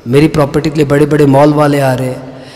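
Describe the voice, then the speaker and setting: A man's voice: fairly high pitch, flat delivery, fast, darkish tone, long reverb tail. A man teaching a tax class in a chatty, storytelling way, acting out dialogue in his examples. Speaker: tax lecturer.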